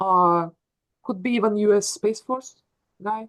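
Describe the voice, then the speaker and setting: Speaking fairly slowly with a Russian accent, a woman keeps a medium pitch and ordinary pitch variation. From Russia, Ural Mountains region. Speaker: contactee. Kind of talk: interview testimony. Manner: halting.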